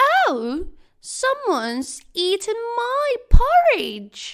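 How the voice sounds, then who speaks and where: A put-on character voice, female-sounding and extremely high-pitched, with very wide pitch swings at a very slow pace. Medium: read story.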